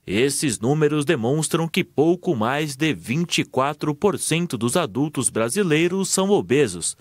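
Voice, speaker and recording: A man's voice: on the high side, no echo. Brazilian male news voice-over, dry studio. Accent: Brazilian Portuguese. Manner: steady, measured news read. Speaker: news reporter.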